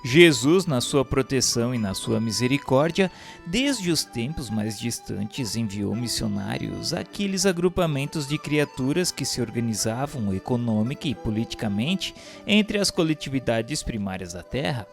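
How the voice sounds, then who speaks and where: A Brazilian man giving a solemn, scripted spiritual narration in a formal, measured, declamatory way. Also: medium pitch, very animated, creaky. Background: instrumental music.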